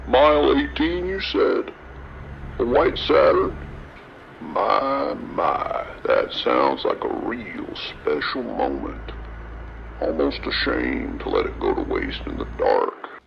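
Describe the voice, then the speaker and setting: An actor playing a sinister, gleeful trucker with a morbid streak, taunting in a theatrical drawl over CB radio in a radio drama. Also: male voice, very deep voice, wildly swooping pitch, takes it slowly, gravelly, highs cut off, noisy background, heavily acted.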